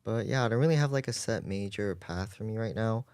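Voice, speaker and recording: A twenty-year-old man talks casually as a podcast guest, his low voice wandering through long rambling sentences full of "like". The sound is close and dry, with no room around it. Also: fast, a little mellow, smooth, dry recording. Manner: rambling, lots of "like". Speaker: guest volunteer.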